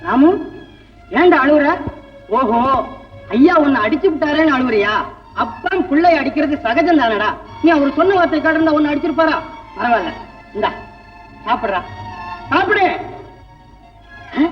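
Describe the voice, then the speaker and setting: An actor playing a loyal household servant in a 1960s film drama, folksy and cajoling. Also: male voice, very high voice, lively intonation, normal speed, long pauses. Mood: coaxing. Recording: distant dull 1960s film soundtrack with music.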